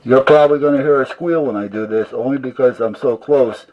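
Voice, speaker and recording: Medium-pitched and fairly quick, a hobbyist rambles through a folksy, casual hands-on demo. The audio is dull, captured by a camera mic about a foot off, and background noise plus radio sounds come through clearly.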